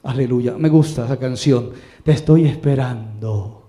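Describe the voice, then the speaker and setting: A man with a Colombian accent preaching a sermon as pastor, dropping to quiet asides and rising to shouted lines. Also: mid-range voice, normal speed. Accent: Colombian Spanish.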